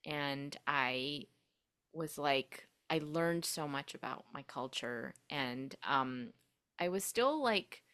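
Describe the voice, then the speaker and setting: Low-voiced young woman, reflective guest. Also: lively intonation, slow, a bit bright, smooth. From United States. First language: Korean. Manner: reflective, many fillers and restarts. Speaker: podcast guest. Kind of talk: casual interview storytelling.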